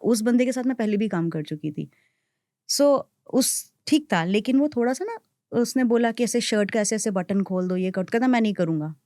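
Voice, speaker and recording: Chatty actress mixing Hindi and English. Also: female voice, fairly high pitch, moderate pace, no echo, clean studio sound. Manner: mixes Hindi and English freely, storytelling; animated, acts out others' quotes. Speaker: actress, interview guest. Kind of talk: podcast interview chat.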